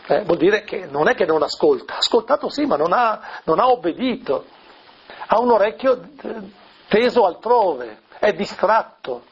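A man's voice: high-pitched, very animated, normal speed, breathy edge. A man, a priest, explaining a scripture passage in a teaching talk, asking rhetorical questions and tagging lines with "eh?". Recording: dull lo-fi recording.

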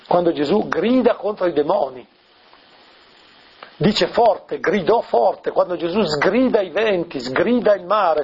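A man, a priest, explaining a scripture passage in a teaching talk, asking rhetorical questions and tagging lines with "eh?". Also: high-pitched. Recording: dull lo-fi recording.

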